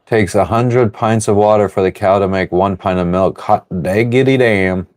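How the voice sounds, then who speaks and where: A man hosting a casual livestream from his sailboat, reading viewer comments aloud and rambling through relaxed answers. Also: lowish voice, normal speed. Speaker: livestream host answering chat. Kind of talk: casual live chat. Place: on board a sailboat.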